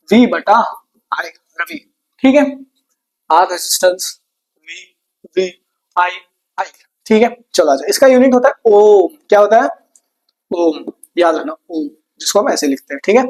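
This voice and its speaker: A man with a high-sitting voice runs a rapid exam revision lesson in a casual, brotherly tone. He poses questions, answers them himself, and throws in jokes and memory tricks.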